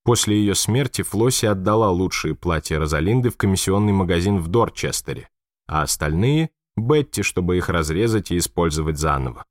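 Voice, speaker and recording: A man calmly narrating an audiobook in an even, steady reading. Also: deep voice, fairly quick, dry recording. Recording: dry close studio recording.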